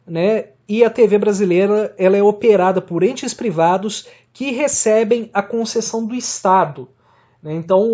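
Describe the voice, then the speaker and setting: A researcher with a Brazilian accent presents an academic study. The voice sits at a medium pitch. The delivery is formal and didactic, explaining each point in the manner of a slide presentation. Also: a little mellow.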